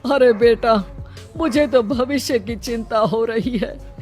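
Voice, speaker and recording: A woman's voice: a little high, a little mellow, faint music behind. A fretful old village mother-in-law. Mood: worried. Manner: slow, pleading, fretful. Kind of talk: cartoon voice acting.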